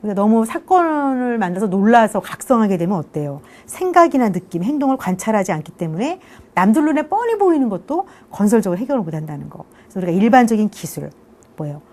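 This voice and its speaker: A woman's voice: medium pitch, big pitch swings, fast talker, warm tone. A middle-aged woman giving an online university lecture in a chatty way, often checking for agreement and answering her own questions. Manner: conversational, keeps asking "그죠?" for agreement; rhetorical questions, answers them herself.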